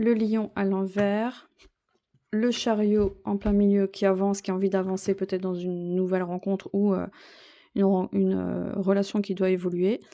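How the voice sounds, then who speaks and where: A woman's dark, mellow voice in monotone, flat intonation at a moderate pace, on a very clean recording with a silent background. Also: medium pitch for a woman. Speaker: tarot card reader. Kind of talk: tarot reading for viewers. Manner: hesitant, many fillers.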